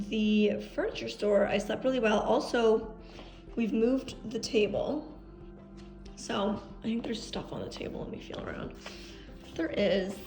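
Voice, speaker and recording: Casual vlogger, woman in her twenties, raised in Canada; gravelly fry, light music underneath. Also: medium pitch. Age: 20s. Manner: chatty, frequent "like" and "um" fillers. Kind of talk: casual vlog chat. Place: at home, then a furniture store.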